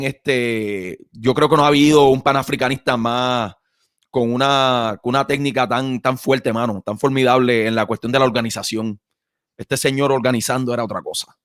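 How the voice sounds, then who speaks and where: Puerto Rican man in lively, slangy chat. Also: mid-range voice, no echo, studio quality. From Puerto Rico. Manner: animated, repeats himself, slangy with frequent "mano". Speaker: podcast host and author. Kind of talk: casual conversation.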